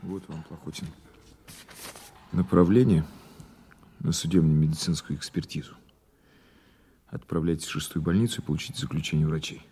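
An actor playing a dry, insistent Soviet investigator with an ironic, authoritative manner in an audio drama. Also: male voice, a bass voice, steady tone, moderate pace, long pauses, dark tone, husky. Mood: stern, ironic.

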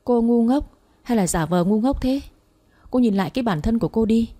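A woman's voice: mid-range voice, a little fast, mellow, natural voice. A woman doing a sneering rich older lady. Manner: sneering, mocking. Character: scornful rich older woman, future mother-in-law.

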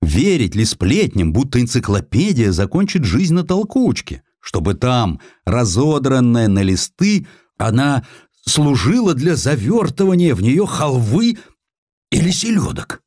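Male narrator as bewildered gentleman editor, hesitant, questioning, swooping intonation, historical audiobook. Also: mid-range voice, very animated, unhurried, breathy edge, no echo, clean studio sound, voice pushed up. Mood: incredulous. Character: helpless, anxious, bewildered encyclopedia editor, a gentleman.

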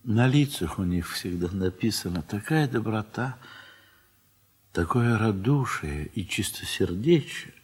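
A man narrates a classic radio play, unhurried and husky, with a slightly low voice. His reading is measured and wistful, and phrases trail off softly at the ends. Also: animated.

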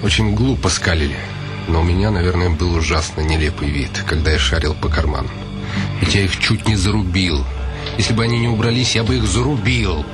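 A man's voice: sits low, a little fast, lightly acted. An actor playing a troubled nobleman in a radio drama monologue, brooding and questioning himself, with music behind him. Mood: shaken, self-reproaching. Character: troubled nobleman, a man, inwardly reproaching and calming himself.

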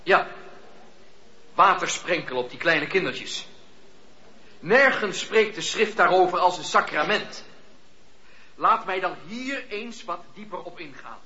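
High-voiced, fervent religious dissenter. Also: male voice, animated, bright, forceful tone, exaggerated voice. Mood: firm, devout. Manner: preaching, emphatic, deliberate. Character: defiant, devout religious dissenter on trial. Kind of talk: radio play acting. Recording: dull, noisy, echoey radio play recording.

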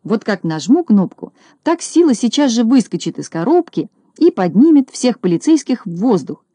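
A woman voicing an excitable little male shorty farmer in a storybook, shouting with excitement. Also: a little high, moderate pace, dry recording. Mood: boastful.

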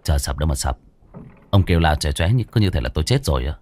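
A man voicing a short-tempered young male ghost hunter who scolds gruffly, in a spooky story. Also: a bass voice, expressive, fast talker, darkish tone, pitched below the performer's own voice. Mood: scolding.

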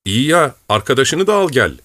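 A man voicing a boisterous, hard-drinking army major who talks loudly and teases in a jovial way. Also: medium pitch, big pitch swings, a little fast, no room sound, voice pushed up. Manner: loud, jovial, teasing.

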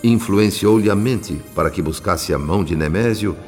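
A Brazilian actor playing a solemn spirit narrator in a radio drama, telling the tale in measured, literary diction. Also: male voice, deep voice, natural voice. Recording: long reverb, music underneath.

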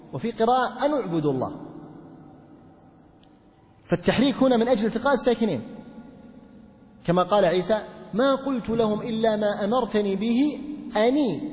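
A male religious teacher giving a classroom lesson, explaining step by step, quizzing his students and chanting verses slowly. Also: high voice, darkish tone, long reverb tail. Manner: recites verses in a slow chant.

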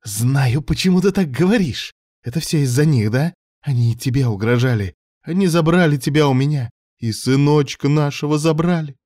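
A man's voice: a little high, moderate pace, darkish tone, no room sound, clean studio sound, pitched above the performer's own voice, natural voice. A man voicing a hysterical, unhinged young woman who pleads frantically, in an audiobook. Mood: crazed insistence. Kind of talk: audiobook character voice.

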